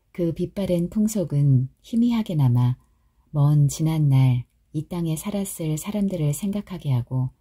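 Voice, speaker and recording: Low, husky woman reading an audiobook. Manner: calm, soft, even-paced reading. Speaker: audiobook reader. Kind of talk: bedtime audiobook narration.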